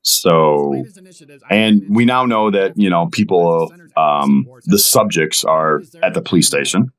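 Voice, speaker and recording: A man with a low-pitched voice appears as a guest voice actor in a casual interview and commentary. His phrasing is halting and measured.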